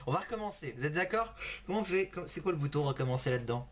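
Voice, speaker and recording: Laughing, excitable young French gamer man. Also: fairly high pitch, very fast. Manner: giggly, exclaiming, talking to a chatbot. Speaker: gaming video host. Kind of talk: casual gaming commentary.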